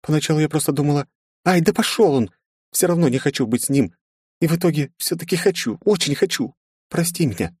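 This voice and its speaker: A man's voice: a little high, a little mellow, slightly rough, no room sound, clean studio sound, pitched above the performer's own voice. A man reading an audiobook voices a jealous, capricious young princess who pleads and flares up. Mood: tearful pleading. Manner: pleading, clingy, quick to anger.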